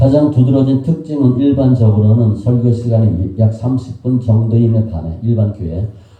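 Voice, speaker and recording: This is a man speaking. He keeps a moderate pace with ordinary pitch variation. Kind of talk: sermon-style teaching.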